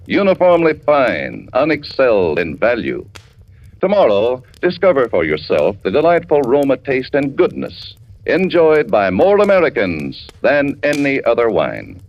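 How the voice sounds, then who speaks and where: A man reading a radio commercial in a smooth, persuasive, enthusiastic 1940s announcer style. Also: medium pitch, wildly swooping pitch, unhurried. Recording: dull old radio recording.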